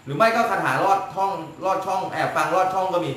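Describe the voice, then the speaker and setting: A high-voiced man lectures his viewers on a casual live stream as a spiritual teacher, blunt and crude, forever asking "right?". His voice rings through a very echoey room over faint background noise. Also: quick pace, fairly bright tone.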